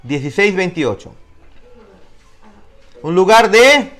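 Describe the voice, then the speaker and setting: A man's voice: high voice, big pitch swings, slow, fairly bright tone. A man teaching an online discipleship class, emphatic and putting questions to his students. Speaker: Bible teacher.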